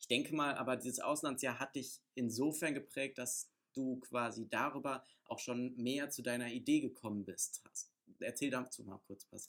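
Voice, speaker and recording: A man's plain, everyday voice, medium in pitch, with fairly even intonation at a moderate pace. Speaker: student entrepreneur acting as interviewer. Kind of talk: casual interview. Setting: recording late at night.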